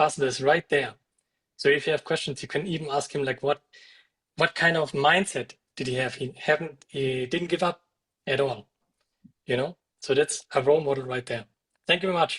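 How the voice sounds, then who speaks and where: A man with a German accent, fairly high-pitched, at a fairly quick pace with long, frequent pauses, fairly even intonation, and a dry, close sound with no echo. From Germany. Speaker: author and coach. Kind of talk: online meeting talk.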